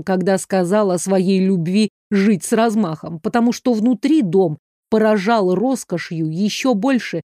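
A woman narrating an audiobook in first person, in a measured, expressive reading on a close mic. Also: medium pitch, no room sound.

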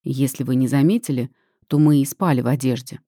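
A woman reading an audiobook, voicing a calm young man who speaks in a level, composed way. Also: very deep voice, fairly quick, breathy edge, no room sound, studio quality, pitched below the performer's own voice. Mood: calm firm.

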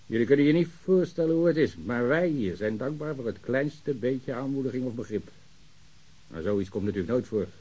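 A man's voice: medium pitch, animated, normal speed, dark tone, husky. A man playing an overworked, sardonic police ballistics technician who grumbles and complains in a radio drama. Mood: aggrieved.

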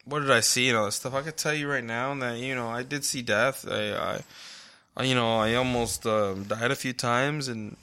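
Bright-voiced man, relaxed and hesitant. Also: medium pitch, moderate pace, clean tone. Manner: relaxed, hesitant, many fillers and restarts. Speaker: Army captain guest. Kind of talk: casual podcast interview.

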